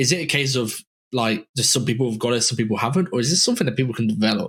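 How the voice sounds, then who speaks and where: Speaking at a very fast pace, a man keeps a medium pitch with ordinary pitch variation, his voice somewhat breathy and his loudness very even. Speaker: podcast host. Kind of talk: interview conversation.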